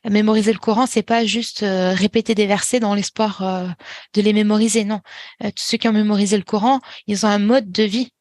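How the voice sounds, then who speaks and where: Woman, Quran teacher, podcast guest; calm instructive advice, middle pitch, dry studio sound. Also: fairly quick, no room sound. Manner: calm and instructive, many small restarts and fillers. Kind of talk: podcast interview, giving advice.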